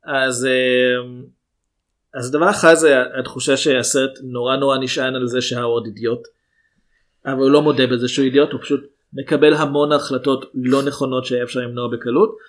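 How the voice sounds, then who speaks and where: A man with a mid-range voice talks through a film review on a casual podcast. He is measured and critical and pauses on hesitant fillers while he gathers his points. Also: medium pitch, steady tone. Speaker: podcast co-host.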